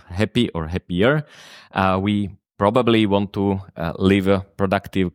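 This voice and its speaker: A man with a Slovak accent and Slovak as his first language, hosting a podcast and giving a halting, earnest presentation full of pauses. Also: low-pitched, clean tone, dry recording, clean studio sound. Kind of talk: informal spoken presentation.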